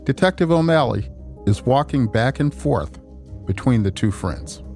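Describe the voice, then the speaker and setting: A man's voice: medium pitch, lively intonation, a little mellow, soft background music. Man narrating a true-crime podcast. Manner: measured, dramatic storytelling. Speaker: podcast host. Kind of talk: scripted narration.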